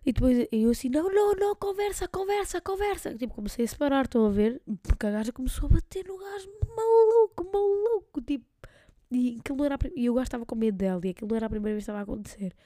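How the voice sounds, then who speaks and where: Young woman, European Portuguese accent, podcast host; rambling slangy storyteller, mellow higher voice, dry close sound. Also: no room sound. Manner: rambling, slangy, laughing often.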